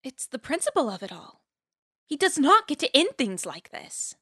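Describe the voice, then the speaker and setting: A woman's voice: high-pitched, very animated, moderate pace, a bit bright, no room sound, studio quality. A woman playing an indignant, fiercely principled academic activist in an audio drama, speaking in an emphatic, impassioned way. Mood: pleading, insistent.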